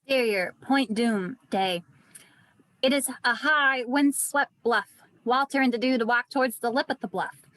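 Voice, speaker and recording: A woman narrates scripted stage directions at a virtual table read. Her voice is on the high side, and the sound is dry with no room echo. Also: unhurried, a bit bright. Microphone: video call.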